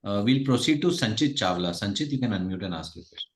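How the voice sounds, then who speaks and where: A man's voice: lowish voice, expressive, fast talker, slight background noise. A man moderating a conference call and handing over to participants.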